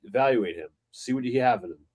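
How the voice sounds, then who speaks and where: A man's voice: medium pitch, animated, quick pace, a little mellow, breathy edge. A man with a New York accent joining a live fan stream from home, talking in an easygoing way with lots of fillers. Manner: easygoing, storytelling, filler-heavy. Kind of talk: casual fan chat. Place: home, on a video call.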